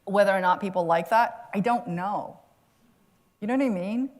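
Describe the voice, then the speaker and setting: A woman's voice: mid-range voice, normal speed, a little mellow. A woman author answering an audience question at a lecture, earnest and reflective, laughing now and then. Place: lecture hall.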